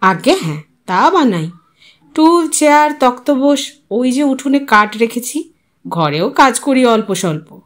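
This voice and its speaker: A woman's voice: sits high, very animated. Woman as a meek, grieving village carpenter. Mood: humble. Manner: meek, halting mumble. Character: poor, humble, grieving village carpenter father, deferential.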